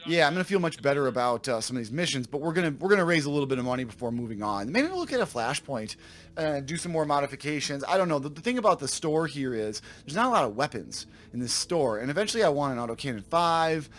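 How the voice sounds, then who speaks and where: A man with a slightly raspy voice from a sore throat, casually commenting on his game for viewers and thinking aloud as he corrects himself. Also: on the high side, big pitch swings, fast, fairly bright tone. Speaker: let's play host.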